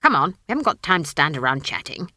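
A woman's voice: low voice, very animated, fast talker, sharp tone, dry recording, clean studio sound, exaggerated voice. Woman putting on a stern, imperious old witch. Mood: commanding. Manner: scolding, clipped, imperious. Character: stern old witch, sharp-tongued and commanding. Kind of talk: audiobook character voice.

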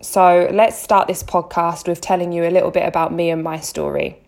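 Gravelly-voiced English woman from Essex. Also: fairly low pitch, wildly swooping pitch, moderate pace, darkish tone. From Essex, England. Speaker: podcast host. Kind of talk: scripted solo podcast intro.

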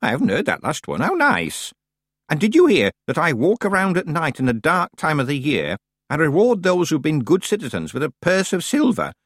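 A man voicing a proud, sly old woman witch in an audiobook, with crisp, dramatic, genteel delivery. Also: fairly high pitch, very animated, fairly quick, dry recording, studio quality, voice pushed up. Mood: delighted, menacing. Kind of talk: audiobook character voice.

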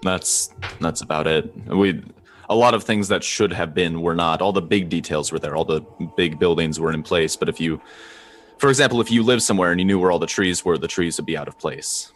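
A man playing a solemn male adventurer who speaks formally and earnestly, with some halting restarts. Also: sits low, soft background music, lightly acted.

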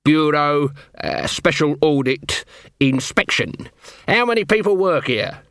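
A man's voice: a little high, sing-song, measured pace, a bit bright, no echo, clean studio sound, voice pushed up. A man voicing a scrawny, cocky watch corporal in a storybook, swaggering and snappy with mock-official menace. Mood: brash officious.

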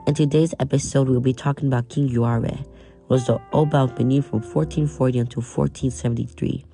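A man's voice: medium pitch, fairly even intonation, fairly quick, creaky, warm tone, soft background music. A young man from Nigeria with an American accent, reading a scripted history podcast as its host and stumbling over some names. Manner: reads from a script with frequent restarts on names.

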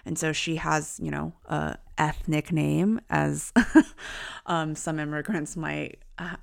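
A young woman co-hosts a podcast and tells a family story in a reflective, easygoing way. Her voice is low with a gravelly fry, and her speech stays clear and smooth. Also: flat delivery, slow pace. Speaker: podcast co-host. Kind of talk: casual conversation.

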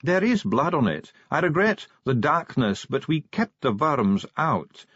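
A stiff, formal dwarf official who weighs every clipped word, as a male audiobook narrator puts him on. The voice sits well above the narrator's own and rises and falls a lot. There is a husky edge to it. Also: on the high side, big pitch swings, unhurried, fairly bright tone, no echo, muffled recording, pitched above the performer's own voice, full character voice.

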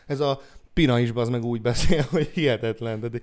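A man's voice: medium pitch, darkish tone. A man co-hosting a podcast in casual chat, crude and joking. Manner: crude, joking, breaks into mock singing. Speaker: podcast co-host.

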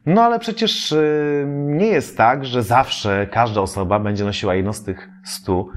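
A man, a memory trainer explaining methods in a relaxed educational talk, pausing often with filler sounds. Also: mid-range voice, slight background noise. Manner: explanatory, many filler "e" sounds, lively emphasis.

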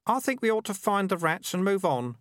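A man's voice: high-pitched, big pitch swings, brisk, a bit bright, no room sound, studio quality, pitched above the performer's own voice. A man voicing a naive, honest young boy who speaks in an earnest, uneasy, questioning way in a storybook.

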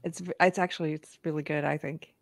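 A woman co-hosts a casual live show and reads articles aloud between chat. Her voice is fairly low for a woman, and her tone is upbeat and giggly. The recording is close and dry. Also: steady tone, quick pace, gravelly, dry recording. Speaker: co-host.

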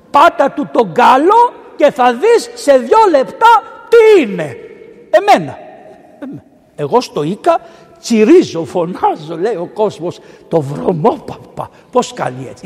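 Animated priest preaching in echoing church. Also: male voice, very high-pitched. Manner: animated, swings between loud exclamations and hushed asides; colloquial, storytelling. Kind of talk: sermon. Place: large church. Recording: echoey church with long reverb.

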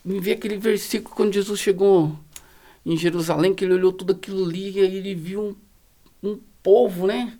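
A man with a Brazilian Portuguese accent, a pastor telling stories as a podcast guest in slangy, animated casual talk full of fillers. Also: high-pitched, brisk. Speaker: guest, pastor running a social project. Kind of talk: casual storytelling in a podcast conversation.

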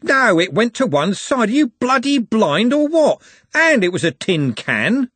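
A man voicing a brutish, angry male football thug who shouts coarsely in an audiobook. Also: fairly high pitch, expressive, slow pace, slightly rough, dry recording, voice pushed up, heavily acted. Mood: furious.

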